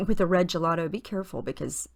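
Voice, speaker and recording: A woman narrates a craft tutorial in a slightly low, husky morning voice. She talks in a relaxed, chatty way, pausing on small fillers as she explains each step. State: husky morning voice, clearing her throat. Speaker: scrapbooking tutorial host. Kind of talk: casual voice-over narration of a craft process.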